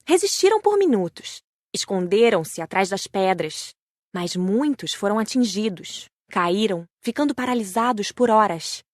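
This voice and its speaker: A woman's voice: mid-range voice, big pitch swings, a little slow, no echo, studio quality. A woman with a Brazilian accent reading scripted audiobook narration.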